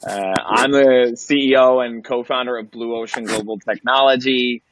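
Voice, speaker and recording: A man's voice: mid-range voice, fairly even intonation, normal speed, background noise. A man giving a polished, aphoristic introduction as a chief executive on an online panel. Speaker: CEO, webinar panelist. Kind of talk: polished professional pitch. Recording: muffled dry online-call audio.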